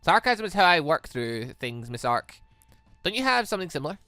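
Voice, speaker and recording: A let's play host rambling through casual commentary and reading visual novel dialogue aloud, often repeating and rephrasing while thinking out loud. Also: mid-range voice, sing-song, a little fast, no room sound. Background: game music.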